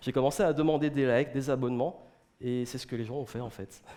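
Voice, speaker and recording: A man with a dark, mellow tone and a fairly high pitch speaks at a fairly quick pace with ordinary pitch variation. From Vietnam. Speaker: content creator and conference speaker. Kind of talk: conference talk. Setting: stage with audience. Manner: calm, soft-spoken.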